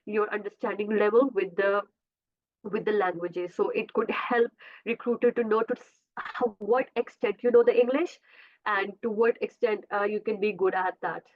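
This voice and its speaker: A woman's voice: medium pitch, steady tone, moderate pace. A woman whose first language is Urdu talks through career tips on a webinar. Her voice sits in a middle register, and she keeps correcting herself with small uh sounds. The audio is narrow and phone-like. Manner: repeats and self-corrects, frequent uh fillers. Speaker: career coach presenting a webinar. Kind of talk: informal presentation with slides. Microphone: video call. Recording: tinny phone-like video call audio.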